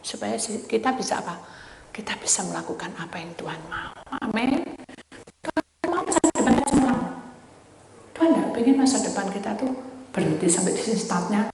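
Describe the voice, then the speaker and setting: An older woman pastor preaches and gives testimony, jumping from loud cries to hushed, almost whispered lines. Her voice is middle-pitched and reaches the mic from some distance. A large hall's long reverb hangs on every phrase. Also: a little hiss or hum. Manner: swings from loud exclamations to hushed near-whispers. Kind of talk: sermon with personal testimony. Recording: echoey hall from far off.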